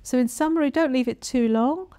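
A middle-aged woman giving an explanatory talk to camera as a specialist, in a measured, plain-spoken and instructive manner. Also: sits high, dark tone, clean tone. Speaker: voice specialist presenter. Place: small quiet furnished room, indoors. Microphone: lapel mic.

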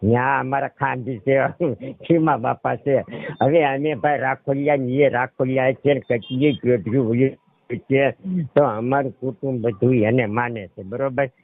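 A man's voice: medium pitch, fairly even intonation, a little slow, creaky, dry recording. A middle-aged man with a Saurashtra Gujarati accent, telling a rambling personal account as a caller and often checking that he is understood. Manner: repeatedly checks the listener understands. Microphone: telephone. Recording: tinny narrowband phone call recording.

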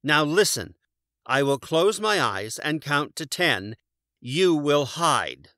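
A bossy, short-tempered he-bear from a children's storybook, acted out by a man. He blusters emphatically with exasperation, in a forceful, animated voice. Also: a little high, slow, no room sound, studio quality, pitched above the performer's own voice, heavily acted. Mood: irritated.

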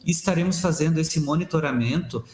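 A man's voice: fairly high pitch, a little mellow. Man speaking officially in an echoey office. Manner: measured official tone with fillers. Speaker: municipal health secretary. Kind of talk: news interview statement. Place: small office indoors. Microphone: webcam on video call.

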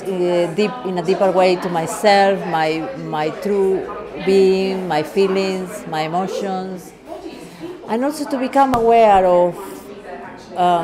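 A woman speaking thoughtfully about what church means to her, pausing and trailing off softly. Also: mid-range voice, fairly even intonation, a crowd in the background. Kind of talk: reflective testimonial. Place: church hall.

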